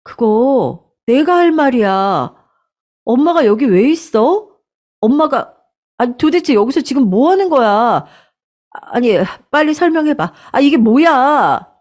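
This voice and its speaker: A woman voicing a furious young married daughter, shouting indignantly in a storybook drama. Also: high voice, sing-song, normal speed, hardly any pauses, voice pushed up.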